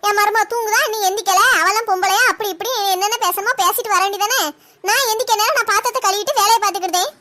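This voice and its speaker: A woman's voice: very high voice, quick pace, very noisy. A woman acting an indignant young daughter-in-law who argues back in a comic family skit.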